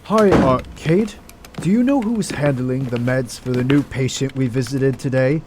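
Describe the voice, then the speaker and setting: A man's voice: medium pitch, moderate pace, heavy background noise, lightly acted. A man playing a weary, skeptical hospital doctor in an audio drama.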